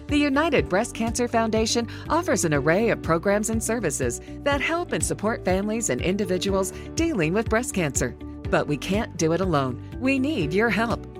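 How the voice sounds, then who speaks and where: A female announcer narrates a scripted charity appeal. Her mid-range voice has lively, varied intonation, and music plays clearly behind it. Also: mid-range voice.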